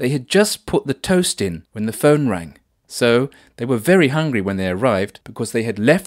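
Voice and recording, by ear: The background is quiet while the text is read aloud in a natural voice.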